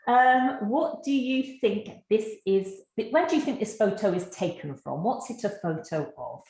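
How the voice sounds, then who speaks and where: A woman with a gentle West Country accent leads a teacher-training webinar over a video call. She talks in a chatty, easy way and laughs often. Her voice sounds echoey, as if she is in a bare room. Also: medium pitch, expressive, unhurried. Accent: slight West Country English. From England, Gloucestershire. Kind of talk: online teacher-training talk. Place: online video session.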